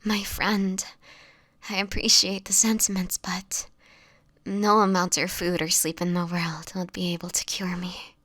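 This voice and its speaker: Woman acting a slow, hushed, sickly vampire woman. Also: lowish voice, level tone, dry recording. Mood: frail, resigned. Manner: soft, breathy, hushed, slightly formal old-fashioned phrasing. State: sickly, frail, with coughs. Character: sickly homeless vampire woman, gentle, world-weary, protective friend. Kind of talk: scripted audio roleplay drama, speaking intimately to listener.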